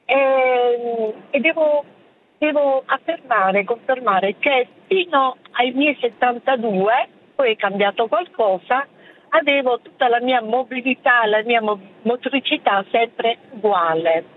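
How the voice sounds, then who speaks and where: A woman in her seventies calling a radio show from her car on a hands-free speakerphone, talking in a hesitant, halting way with many fillers. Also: a little high. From Bari, southern Italy. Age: 70s. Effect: speakerphone call from a moving car. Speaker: radio caller. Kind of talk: phone-in chat. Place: in a car while driving. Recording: tinny phone line, faint car noise.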